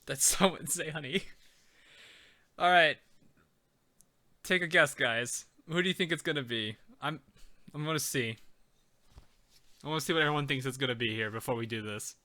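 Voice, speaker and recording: A man's voice: mid-range voice, normal speed, pauses often, sharp tone, no echo. A man streaming a game, chatting casually with viewers, laughing often and reading chat aloud. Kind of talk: casual let's-play commentary.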